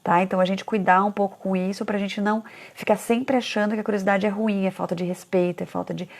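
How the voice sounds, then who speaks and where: Brisk, lively woman coaching parents, slight vocal fry. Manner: animated, acts out parents' complaints in a high voice. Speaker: parenting educator. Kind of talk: casual talk to parents.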